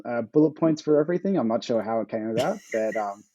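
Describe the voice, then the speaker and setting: An Australian man, an author guest, talking in a relaxed, hesitant way with plenty of fillers. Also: medium pitch, fast, no echo, muffled recording. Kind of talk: casual interview chat.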